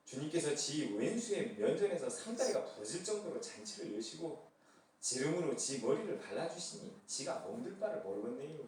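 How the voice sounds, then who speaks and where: A man voicing a polite countryman with a Chungcheong dialect, soft and unhurried. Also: fairly high pitch, very animated, a little hiss or hum. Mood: gentle. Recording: echoey church hall from far off.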